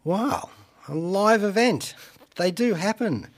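A man's voice: sits high, animated. Wry, playful male radio host. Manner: wry, playful, theatrical asides and deliberate phrasing. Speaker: radio show host and reviewer. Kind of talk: chatty radio commentary on pop culture. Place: radio studio.

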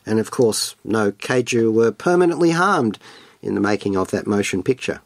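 A man's voice: fairly low pitch, lively intonation, moderate pace, dry recording. A man hosting a radio show, reading scripted film and music commentary in a playful, wordy, colloquial way.

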